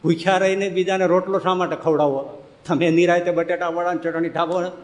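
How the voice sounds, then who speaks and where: A man with a high, ringing voice delivers a lively storytelling sermon. He builds his points through rhetorical questions and often laughs along the way. A long reverb trails his words, as if he is speaking in a large hall. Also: a little fast, a little hiss or hum. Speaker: spiritual speaker.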